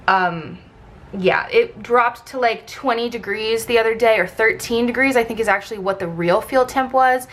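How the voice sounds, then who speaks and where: A woman's voice: fairly high pitch, fairly even intonation, normal speed, hardly any pauses. A woman with a stuffed-up, blocked nose and slightly scratchy throat, narrating a craft vlog in a casual, informal, rambling way. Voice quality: congested, blocked-nose sound. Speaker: planner vlogger.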